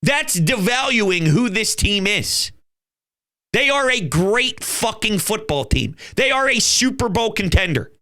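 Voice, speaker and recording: A man's voice: high-pitched, very animated, measured pace, sharp tone. A man hosting his own fan channel, talking football in an emphatic, fired-up way and swearing now and then. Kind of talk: fan commentary vlog.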